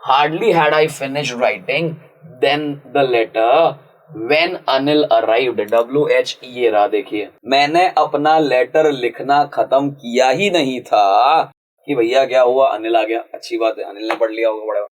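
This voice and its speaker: A man teaching English grammar for exam prep, reading sentences slowly and explaining them in a casual, chatty way. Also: mid-range voice, low-quality recording. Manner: casual, chatty, calls viewers friends and brother.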